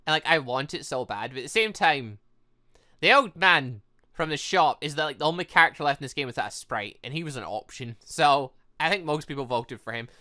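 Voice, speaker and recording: A gaming video host delivers casual let's play commentary at a brisk clip and medium pitch. Chatty and excitable, they ramble along, thinking aloud as they go.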